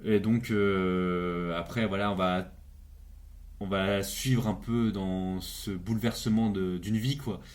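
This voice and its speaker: A man's voice: deep voice, fairly even intonation, slow pace. A young man casually reviewing a drama series, with lots of hesitation, fillers and restarts. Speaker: video creator reviewing a series.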